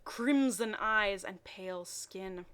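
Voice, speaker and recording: A woman reading amateur fiction aloud in a mocking way, dropping in wry, deadpan asides. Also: medium pitch, slow pace, smooth. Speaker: reader and commentator.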